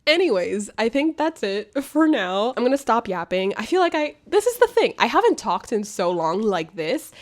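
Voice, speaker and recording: A woman's voice: a little high, big pitch swings, normal speed, hardly any pauses. A young woman vlogging a casual life update, chatty and rambling, her voice nasal and congested from a cold. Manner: chatty, rambling, affectionate, laughs often. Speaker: booktuber vlogger.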